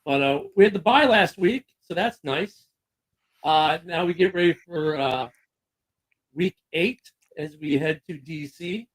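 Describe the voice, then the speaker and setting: A man's voice: fairly high pitch, unhurried. A man co-hosting a casual sports chat show, talking loosely with fillers and laughs. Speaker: podcast co-host.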